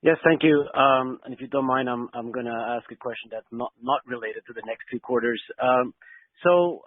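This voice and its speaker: A man's voice: medium pitch, normal speed, dry recording. A man, a financial analyst, politely and somewhat hesitantly putting questions on an earnings call. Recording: dry, narrow phone line.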